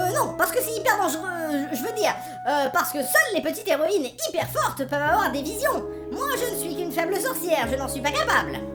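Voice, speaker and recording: A put-on character voice sits at an extremely high pitch and moves at a fairly quick pace. Loud music plays in the background. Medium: audio drama. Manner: excitable, bossy.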